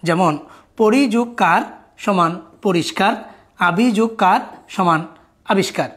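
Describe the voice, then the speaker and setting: A woman's voice: mid-range voice, a little slow. A woman, a teacher giving a recorded spelling lesson, explaining patiently and often telling listeners to look closely.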